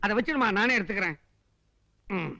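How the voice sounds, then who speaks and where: An actor playing a sly, greedy houseguest fussing about food in a film comedy. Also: male voice, high voice, lively intonation, normal speed, sharp tone, faint music behind, full character voice.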